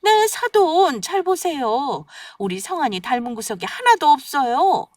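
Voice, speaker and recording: A woman's voice: medium pitch, lively intonation, unhurried, no room sound, studio quality, recorded from a distance, close to an everyday voice. A woman voicing a petty, suspicious older mother-in-law in a radio story, nagging with sarcastic, eye-rolling indignation. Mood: pointed, accusing.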